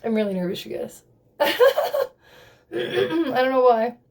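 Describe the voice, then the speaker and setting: A woman's voice: high-pitched, sing-song, slow pace. A young woman vlogging casually, rambling and giggling nervously as she talks to the camera, swearing often. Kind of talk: casual beauty vlog.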